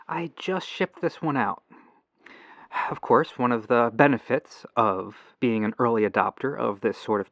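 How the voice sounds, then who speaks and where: A man's voice: mid-range voice, vocal fry, fairly bright tone, dry recording. A man playing a patient, polite tech support agent in an ASMR roleplay phone call, reassuring and methodical, through a lo-fi telephone filter. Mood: friendly, reassuring. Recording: dull lo-fi telephone sound.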